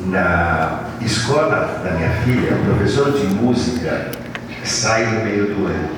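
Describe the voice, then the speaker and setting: A man's voice: lowish voice, animated, a little slow. Man, 60s, reflective storytelling, noisy roomy hall recording. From Argentina. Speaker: guest speaker. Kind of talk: school talk to students. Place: large school hall. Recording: echoey hall from far off, with noise.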